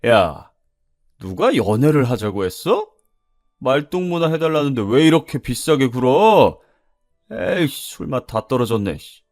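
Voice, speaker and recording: A man's voice: on the low side, a little slow, darkish tone, no room sound, clean studio sound, soft background music, lightly acted. A man voicing a pushy, coarse customer over sixty who harasses a waitress, in a read-aloud story. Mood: angry. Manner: leering, bullying, coarse.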